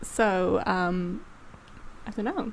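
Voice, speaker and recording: A woman's voice amid noticeable background noise. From US South. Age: 20s. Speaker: guest. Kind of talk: casual chat.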